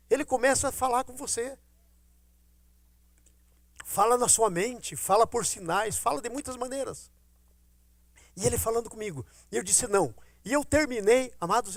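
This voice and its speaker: A middle-aged man, preaching a testimony sermon as a pastor and telling his story in a lively way, acting out his own quoted words. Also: high-pitched, dry recording.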